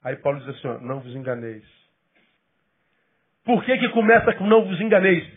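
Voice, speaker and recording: A male pastor preaching a sermon, emphatic and then dropping to quiet asides. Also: on the high side, very animated, slightly rough, phone-quality sound. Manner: acts out quoted people in quick bursts.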